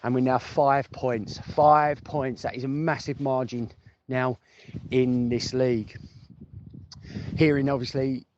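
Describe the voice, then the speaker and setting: Slow and flat, with frequent pauses, a man in a mid-range, slightly mellow voice thinks aloud about football, chatting informally and repeating phrases for emphasis. He's recording casual commentary for a fan podcast as a phone voice message, and the audio is muffled, lo-fi, noisy and full of clicks.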